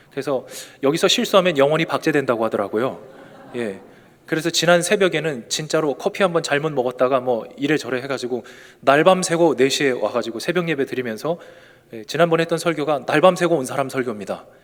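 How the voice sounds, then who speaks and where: This man talks very fast, his fairly high voice rising and falling in an ordinary way. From Gyeongsang region, South Korea (Ulsan). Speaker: pastor. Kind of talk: sermon. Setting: church.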